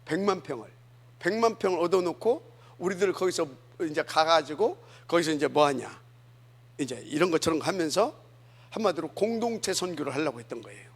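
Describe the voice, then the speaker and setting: A man's voice: on the high side, animated, fairly quick, slightly rough. A male pastor from Jeolla preaching a sermon in a church, talking conversationally and often asking the congregation rhetorical questions. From Jeolla, South Korea. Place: church sanctuary.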